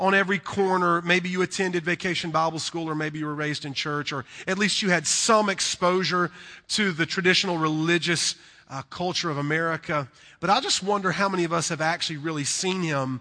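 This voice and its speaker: A man with a Southern US accent speaks fairly quickly in a high voice, his tone bright and sharp and his intonation fairly even. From US South. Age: 40s. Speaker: preacher. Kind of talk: sermon. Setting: church.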